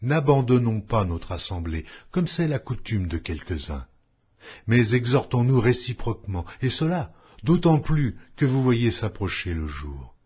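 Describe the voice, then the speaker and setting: A man reading scripture aloud as a formal audiobook narration, in a solemn, measured, declamatory way. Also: medium pitch, big pitch swings, husky, dull audio.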